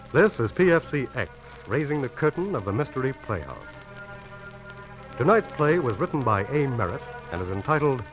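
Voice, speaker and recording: A man's voice: mid-range voice, lightly acted, rough recording. A man playing an ominous, theatrical horror host, narrating in 1940s radio style on a vintage recording with music behind. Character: spooky playhouse host introducing tales of the supernatural. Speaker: host of a mystery radio show.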